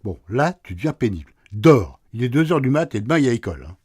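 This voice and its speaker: A man's voice: mid-range voice, sing-song, fast, darkish tone, breathy edge, no room sound. An actor playing a sleepy, teasing husband in a radio play, answering his wife with dry sarcasm. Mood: grumpy, teasing. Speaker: husband woken at night.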